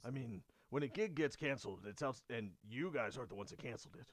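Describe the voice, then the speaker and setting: A man puts on a raspy character voice at a medium pitch, talking very fast with lively intonation. His loudness swings widely. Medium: actual play. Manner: hesitant, stammering.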